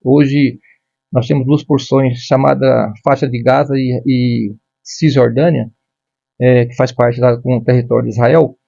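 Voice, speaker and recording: A man's voice: medium pitch, flat delivery, vocal fry, warm tone, no room sound, highs cut off. A man in his fifties from Brazil, a retired military police major, speaking formally and with frequent restarts as an interview guest. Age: 50s. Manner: measured, formal, with many restarts. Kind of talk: conversational interview.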